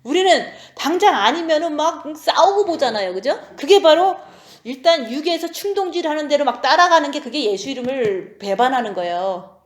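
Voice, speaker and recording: Woman in her 40s preaching like she's just chatting, keeps asking "right?", kinda high voice, echoey room. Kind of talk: sermon.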